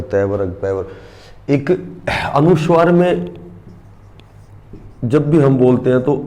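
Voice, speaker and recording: A middle-aged male teacher giving an exam-prep grammar lesson, repeating key terms slowly so students can write them down. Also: medium pitch, mellow.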